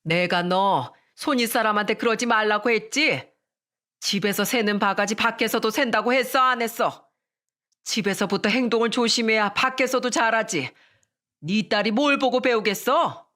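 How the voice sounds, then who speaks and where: A woman's voice: on the high side, moderate pace, bright, forceful tone. A woman voicing an older mother-in-law, firm and scolding. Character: stern but kind older mother-in-law.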